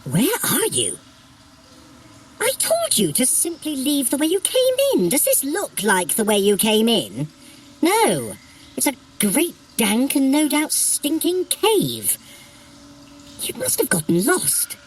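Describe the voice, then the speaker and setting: Haughty, wildly expressive trickster god. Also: female voice, sits high, slow pace, slight background noise, exaggerated voice. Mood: exasperated, scornful. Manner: theatrical, condescending, with flustered hesitations. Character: haughty, sardonic trickster god, grudgingly guiding a mortal. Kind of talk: scripted audio adventure acting.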